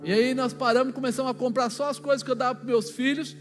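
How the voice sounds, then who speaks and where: High-voiced Brazilian pastor preaching in a hall. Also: male voice, fairly even intonation, quick pace. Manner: colloquial storytelling, acting out dialogue. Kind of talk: sermon. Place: church. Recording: long church hall reverb with music behind.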